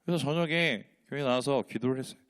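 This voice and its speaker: A man's voice: mid-range voice, quick pace, a bit bright. A man, a pastor, preaching a sermon with rhetorical questions and acted-out dialogue in changing voices. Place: church sanctuary.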